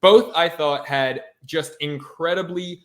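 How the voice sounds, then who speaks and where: A man's voice: fairly high pitch, slow pace. Brash, emphatic male podcast co-host. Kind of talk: casual sports podcast chat.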